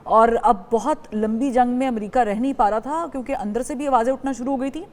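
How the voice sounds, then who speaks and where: A woman's voice: a little high, brisk, darkish tone. A woman with a Pakistani accent interviewing as a news anchor, switching into English phrases. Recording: reverberant room sound.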